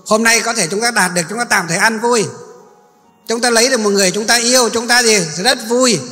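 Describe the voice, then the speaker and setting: Monk giving a sermon, high sharp voice, keeps asking questions and answering them, long echo in a hall. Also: male voice, steady tone, fast talker. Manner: asks the audience questions and answers them himself. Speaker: Buddhist monk preacher.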